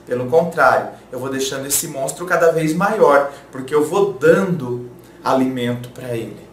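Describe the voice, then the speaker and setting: Calm man in an echoey room. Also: mid-range voice, moderate pace. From interior of São Paulo, Brazil. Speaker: relationship advice channel host. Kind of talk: advice talk, reading viewer letters aloud. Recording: roomy echo, faint background noise.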